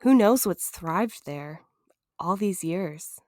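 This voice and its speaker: A woman acting in an audio drama as a gentle, caring, earnest young woman, polite and tentative. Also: on the low side, lively intonation, slow, no echo, studio quality. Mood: curious.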